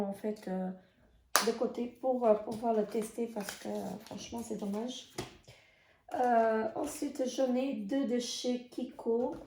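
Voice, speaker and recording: Woman, hoarse, beauty vlogger, casual review, hesitant delivery, fairly high voice, roomy echo. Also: mellow. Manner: halting, full of hesitations. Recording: echoey room.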